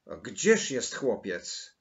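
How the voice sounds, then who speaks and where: A man voicing a stern older spinster woman with a sharp, scolding way of exclaiming. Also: fairly low pitch, very animated, takes it slowly, highs cut off, heavily acted. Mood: indignant.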